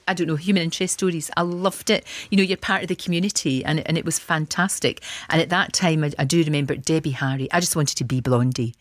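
A middle-aged woman with a Glasgow accent, telling stories as a guest in a casual interview, chatty and animated, with Scottish words like wee. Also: low voice, dry recording. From Scotland. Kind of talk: casual radio interview chat.

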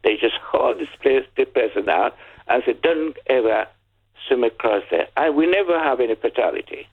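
A man's voice: mid-range voice, normal speed. An older man from Nigeria with a Nigerian accent and Yoruba as his first language, telling a story as a caller on a radio phone-in. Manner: storytelling, lively, with restarts. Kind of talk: phone-in chat. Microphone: telephone. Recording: tinny phone line.

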